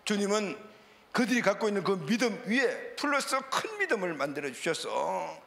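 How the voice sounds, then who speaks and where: A man preaching a sermon as pastor, animated and calling out for amens from the congregation. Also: high voice, normal speed, gravelly. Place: church sanctuary. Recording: reverberant church hall.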